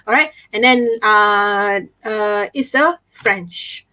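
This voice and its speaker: Bright-voiced Malaysian woman tutor. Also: mid-range voice. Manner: switches between English and Malay, reads examples slowly and stresses them; chatty, fills with "okay" and "ah". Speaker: English tutor. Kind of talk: online class teaching.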